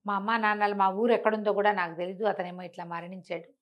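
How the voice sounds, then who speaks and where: A woman's voice: medium pitch, little pitch movement, fast talker, natural voice. A woman storyteller voicing a despairing young widowed princess in a folk tale, plaintive and pleading.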